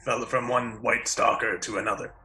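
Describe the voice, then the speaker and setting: A man's voice: medium pitch, steady tone, normal speed, crowd noise, poor audio. A man playing a tabletop game, chatting casually and jokingly with the group.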